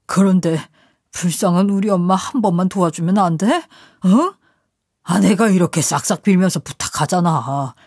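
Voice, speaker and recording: A woman's voice: mid-range voice, animated, a little slow, darkish tone, slightly rough, no echo. A woman voicing a manipulative, threatening husband in an audio story, coaxing and menacing by turns, recorded dry and close.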